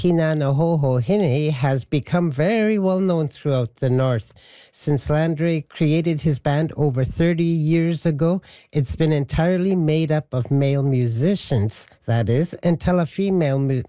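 A man introducing a story as a radio host, in a measured, scripted announcer delivery. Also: fairly high pitch, mellow, no echo, studio quality.

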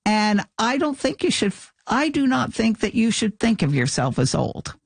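A woman's voice: on the high side, sing-song, moderate pace, gravelly, slightly rough, no echo. An older woman, a guest author on a radio talk show, talking frankly and teasingly with callers.

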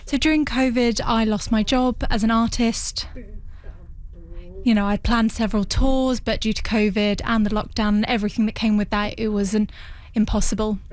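A woman voicing a guest's answers as a sign language interpreter in a radio studio, measured and pausing. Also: on the high side, level tone, a little mellow, no room sound. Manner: measured, with pauses and restarts.

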